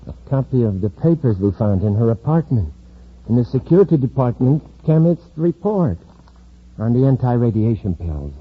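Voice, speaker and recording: A man's voice: mid-range voice, very animated, normal speed, slightly rough. A man playing a scheming criminal gang boss in an old radio drama, curt and commanding. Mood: menacing. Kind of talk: 1950s radio drama acting. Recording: dull lo-fi old radio recording.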